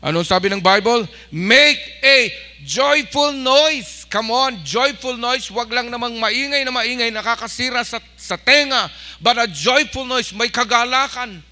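High, sharp-voiced Filipino pastor. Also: male voice, normal speed. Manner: switches between Tagalog and English, rousing the congregation. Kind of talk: lively sermon.

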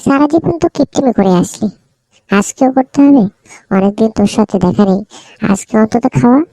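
Casting: woman playing a bossy, caring cartoon pal who teases and nudges; gravelly mellow tone, medium pitch. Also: a little fast, dry recording, rough recording. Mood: teasing. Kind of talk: cartoon dialogue.

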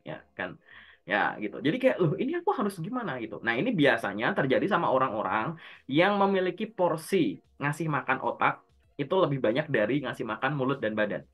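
Male interview coach, mid-range voice, relaxed coaching tone, works through points step by step on a call. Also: mid-range voice, a little fast, soft background music. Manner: explains step by step, poses and answers his own questions. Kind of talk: casual coaching session.

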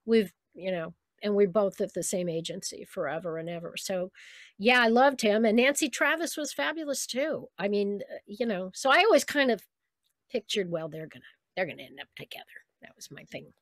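A woman's voice: mid-range voice, lively intonation, moderate pace, no echo. Woman, voice actress, from Saint Louis, easygoing interview answers, dry close sound. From Saint Louis, USA. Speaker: voice actress guest.

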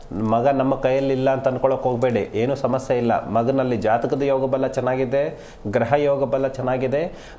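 A man speaking as an astrologer on a live call-in show, calm and reassuring, drawing out important phrases slowly. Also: medium pitch.

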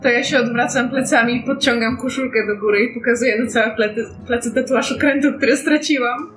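Woman, highish pitch, role-play chat, game player, music underneath. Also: fairly quick. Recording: roomy, background music.

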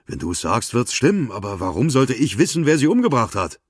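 Narrator doing cornered man, defensive, sarcastic, raised pitch, dry close sound. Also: big pitch swings, a little fast, husky, no room sound.

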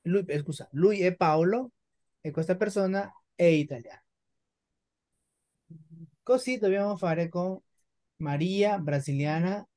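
A woman leads a beginners' class, talking slowly and patiently. She repeats and models each word with care for her students. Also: sits low, warm tone. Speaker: Italian teacher. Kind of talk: online language lesson.

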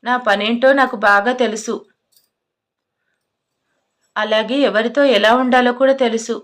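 A woman's voice: fairly high pitch, fairly even intonation, unhurried, fairly bright tone. A woman voicing an irritated young man who scolds and demands answers, in a storybook reading. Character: angry, blunt young man, quick to anger.

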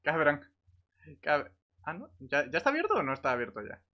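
A man with an accent from Spain, bantering casually and excitably in a gaming voice chat, often joking. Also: fairly high pitch, a little fast, muffled recording. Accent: Spanish, from Spain. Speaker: gaming streamer.

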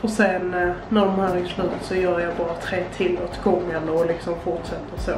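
A young Swedish woman in her twenties vlogs casually while cooking, walking through each step with lots of fillers in a lowish, fairly flat voice. She's in a small home kitchen, picked up by a camera sitting on the counter a short distance away. The sound is echoey and noticeably noisy.

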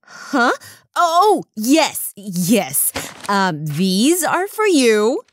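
An eager young woman medical assistant, played by an actress in an audio drama. She is polite and hesitant, with a lively, unhurried delivery that sits a bit high. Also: exaggerated voice. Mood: flustered.

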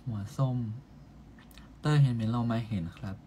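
A young man hosts a casual live stream, reading viewer comments one after another and answering them with easy, teasing banter. His voice sits at an ordinary middle pitch, and a faint hum of ambience runs underneath. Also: normal speed, mellow.

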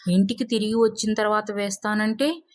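A woman's voice: mid-range voice, steady tone, brisk, dry recording, studio quality, lightly acted. Folk-tale villager: poor, anxious, unlettered man played by a woman. Fretful thinking-aloud delivery. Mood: worried. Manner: fretful inner monologue. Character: poor, illiterate, anxious male villager with sick wife. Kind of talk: dramatized moral folk tale.

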